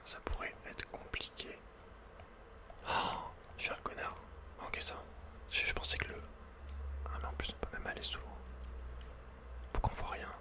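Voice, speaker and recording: Male, fully whispered and breathy, for laid-back, slangy video game ASMR close on the mic. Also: normal speed, long pauses. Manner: casual, slangy, muttering to himself. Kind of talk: whispered ASMR gameplay commentary. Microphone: close microphone.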